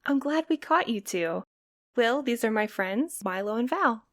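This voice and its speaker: A woman's voice: fairly high pitch, animated, unhurried, no room sound, clean studio sound. A woman playing a sweet, earnest, easily flustered young courier in an audio drama. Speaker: voice actor.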